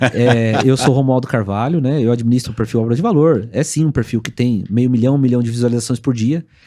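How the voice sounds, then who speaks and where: Over a quiet background, a man with a dark, mellow tone and medium pitch talks at a fairly quick pace, with fairly even intonation and hardly any pauses. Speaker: real estate developer. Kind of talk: podcast interview. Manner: fast.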